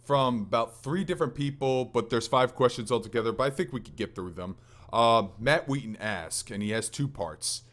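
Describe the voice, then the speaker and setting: A man's voice: mid-range voice, moderate pace, a bit bright. A man co-hosting a casual gaming podcast, chatting and reading out listener questions. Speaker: podcast co-host.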